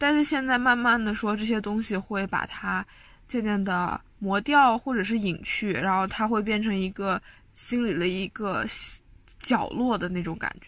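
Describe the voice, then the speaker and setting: On a very clean recording with a silent background, a woman uses a normal speaking voice, fairly high in pitch with ordinary variation, at a fairly slow pace. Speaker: university graduate, podcast co-host. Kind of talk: casual chat. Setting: university dorm room.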